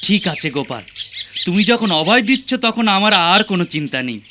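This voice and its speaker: A man's voice: sits high, very animated, a little fast, pushed and bright, a little hiss or hum, heavily acted. A man voicing a meek, nervous clerk in a comic cartoon, hesitant and deferential in manner. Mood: meek, relieved. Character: nervous, guilty clerk, meek and gushingly grateful. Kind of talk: dubbed comic cartoon dialogue.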